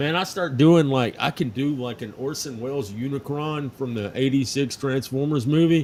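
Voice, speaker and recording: A man with a rural American accent at a fairly high pitch and a moderate pace, with ordinary pitch variation and hardly any pauses. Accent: rural American country. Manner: casual, rambling.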